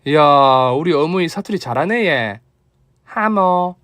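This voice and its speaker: A man voicing a generous, lively young daughter-in-law with a Gyeongsang dialect, earnest and teasing. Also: on the high side, takes it slowly, no room sound. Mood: playful.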